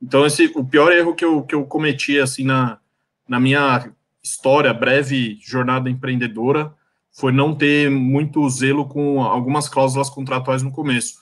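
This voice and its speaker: A man's voice: medium pitch, steady tone, normal speed, a bit bright. Brazilian lawyer-entrepreneur, man, casual panel talk, friendly, hesitant. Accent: Brazilian Portuguese. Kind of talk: panel discussion, conversational.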